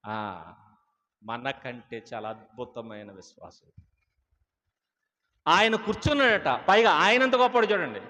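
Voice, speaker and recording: A man's voice: mid-range voice, very animated, measured pace, long pauses, pushed and bright. A man preaching a sermon from a podium into a stage microphone, firing rhetorical questions at his congregation. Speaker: pastor. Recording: long hall reverb.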